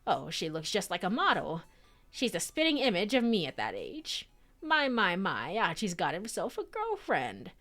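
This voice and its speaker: A woman's voice: mid-range voice, huge pitch swings, a bit bright. A woman putting on a fussy old-lady noodle-shop owner. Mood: fussing. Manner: grandma voice, slow and fussy. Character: chatty gossipy older noodle-shop proprietress.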